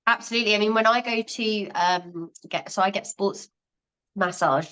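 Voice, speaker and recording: A woman's voice: mid-range voice, normal speed, sharp tone, slight background noise. A woman podcast host chatting casually about her own experiences with massage. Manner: chatty, personal anecdotes.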